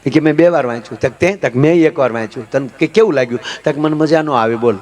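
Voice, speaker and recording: A man telling folk comedy stories, animated and switching voices for his characters. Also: mid-range voice, fast. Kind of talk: live folk comedy storytelling.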